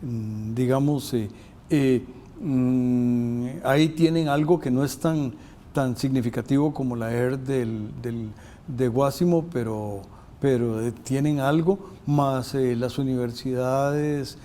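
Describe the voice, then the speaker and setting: An older man from Costa Rica hosting a university interview program, talking in a halting way with many filler sounds. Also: mid-range voice, fairly even intonation, mellow. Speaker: host.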